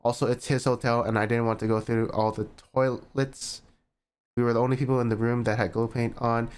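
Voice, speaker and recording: A man's voice: medium pitch, clear, resonant tone. A man streaming a reaction, reading a written statement aloud and skipping parts with "blah, blah". He breaks off now and then for sarcastic remarks. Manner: sarcastic asides between passages.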